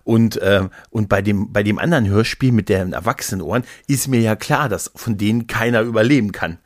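Male podcast co-host, lower register, very dry recording, chatty and animated storyteller. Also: fairly quick, no room sound. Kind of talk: casual chat, retelling and reviewing audio dramas.

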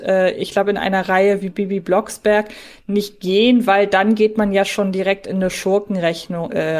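A woman's voice: medium pitch, a little mellow. A woman co-hosting a podcast, talking conversationally in a reflective, careful manner. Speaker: podcast co-host. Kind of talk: conversational fan discussion.

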